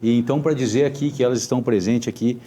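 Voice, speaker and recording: A man with a Gaúcho Brazilian accent hosting a live talk show, speaking haltingly with frequent tag questions. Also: medium pitch, fairly even intonation, warm tone. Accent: Gaúcho Brazilian Portuguese. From Porto Alegre region, southern Brazil. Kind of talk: casual live interview.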